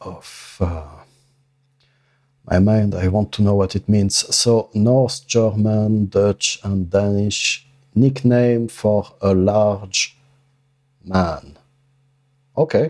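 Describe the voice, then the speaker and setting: On a very clean recording with a silent background, a man with a non-native accent and a dark, mellow tone speaks very slowly at a fairly low pitch, with ordinary pitch variation and long, frequent pauses. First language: not English. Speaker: composer and sample library reviewer. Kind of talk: casual unboxing walkthrough. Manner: hesitant, with fillers and repetitions.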